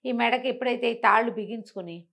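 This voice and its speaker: A woman telling a folk tale in a conversational, expressive storyteller's way, repeating phrases for emphasis. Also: a little high, fast talker, creaky.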